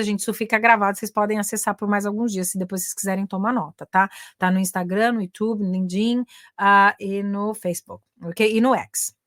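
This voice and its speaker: A woman's voice: mid-range voice, fairly bright tone, dry recording, studio quality. A woman with a Brazilian accent teaching business English in a live online class, chatting with her audience and repeating example phrases. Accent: Brazilian Portuguese. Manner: switches between Portuguese and English examples, chatty, addresses audience as gente.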